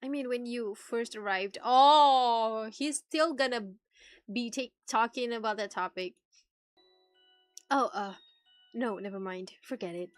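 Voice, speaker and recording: Girl streamer reading a visual novel, high voice, unhurried pace, super reactive, music behind her. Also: no echo. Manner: animated, excitable, teasing, exclaims and swears freely. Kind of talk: reading game text aloud with reactions.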